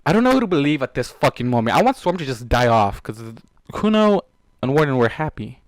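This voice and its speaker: A man with a medium-pitched voice reads fan fiction on a very dry recording. He is emotional and exasperated, stumbling over words and breaking off into heated, sweary reactions. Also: sing-song, a little fast, no room sound. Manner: emotional, exasperated asides, stumbles when reading. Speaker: host reading fan fiction aloud. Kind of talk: story narration broken by heated, sweary commentary.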